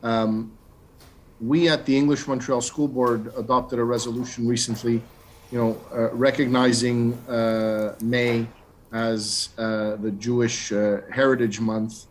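A middle-aged man speaks at a middle pitch from a dim room on a video call. He asks his question haltingly, padding it with fillers and restarting his phrases. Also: little pitch movement, slight background noise. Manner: hesitant, many fillers and restarts. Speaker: school commissioner. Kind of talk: asking a question on a panel.

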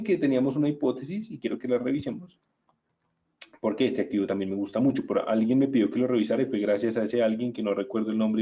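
Guy doing a trading webinar, chatty and upbeat, mellow voice, kinda muffled audio. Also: mid-range voice. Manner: chatty and upbeat, addresses viewers directly. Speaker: trading analyst presenting a webinar. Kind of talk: live market analysis webinar.

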